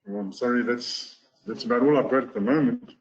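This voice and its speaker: A man's voice: medium pitch, fairly even intonation, brisk, slight background noise. A man in his fifties with a South African accent, speaking earnestly as a guest on a webinar and repeating words as he restarts. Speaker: guest speaker, golf teacher. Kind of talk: webinar testimonial talk. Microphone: online call mic. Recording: lo-fi webinar audio.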